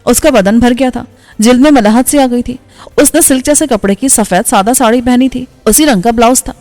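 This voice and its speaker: A woman storyteller narrating a novel in a steady, even reading voice. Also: a little high. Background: faint background music.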